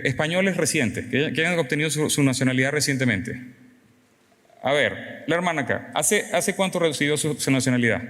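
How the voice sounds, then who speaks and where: A man preaching a sermon, questioning and teasing the congregation in an animated, conversational way. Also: medium pitch. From Venezuela. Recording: long reverb in a hall.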